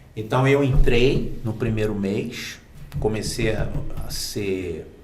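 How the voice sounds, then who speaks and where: With audible room echo around him, a man speaks with very wide pitch swings. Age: 60s. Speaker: technical author and engineer. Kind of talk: interview.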